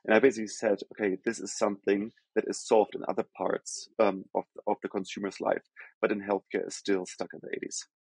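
A man from Germany with a German accent, a company founder explaining things in a measured podcast interview, often pausing with "um". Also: fairly low pitch, flat delivery, gravelly, darkish tone, husky, no echo, low-quality recording. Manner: measured, explanatory, frequent "um" and self-corrections.

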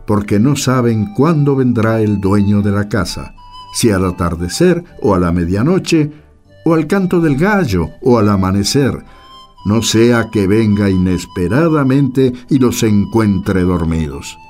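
Casting: male narrator for scripture reading, unhurried and mellow, music underneath. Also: on the low side.

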